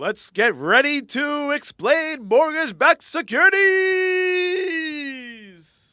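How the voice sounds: A man uses a put-on character voice at an extremely high pitch. He talks at a very slow pace with hardly any pauses.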